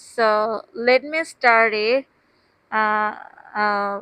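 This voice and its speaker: In a Bengali accent, a woman speaks with a fairly high pitch. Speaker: vlogger. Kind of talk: casual personal vlog. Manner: halting, many fillers.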